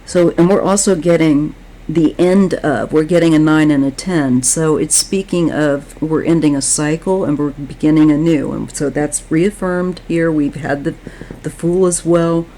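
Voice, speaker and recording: A woman giving a tarot reading, speaking in a slow, halting, reflective way while she is losing her voice. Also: low voice, dark tone, low-quality recording. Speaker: tarot reader.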